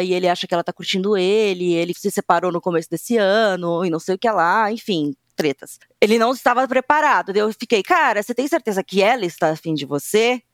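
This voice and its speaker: A woman's voice: medium pitch, dry recording, studio quality. A Brazilian woman co-hosting a casual chat, telling stories and acting out quoted messages. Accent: Brazilian Portuguese. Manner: animated storyteller who acts out quoted texts. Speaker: podcast co-host.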